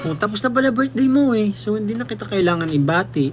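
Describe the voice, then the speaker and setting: A young Filipino-accented man chats casually on a livestream, reading comments and playfully teasing fans while mixing Tagalog and English. His voice is high-pitched, expressive and quick, with faint music behind him.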